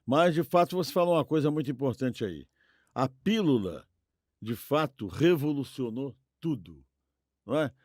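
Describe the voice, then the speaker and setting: A man with a Brazilian accent co-hosting a podcast, offering opinions conversationally and rephrasing haltingly as he thinks aloud. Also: mid-range voice, darkish tone, dry recording, clean studio sound. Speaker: podcast co-host. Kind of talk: conversational commentary, giving opinions.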